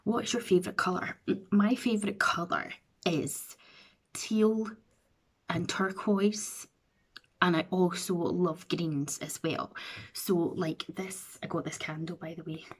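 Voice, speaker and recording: Low-ish, breathy and unhurried, with fairly even intonation, this woman is a Scottish beauty vlogger in her thirties. She rambles casually to camera in her bedroom, self-deprecating and dealing with a runny nose.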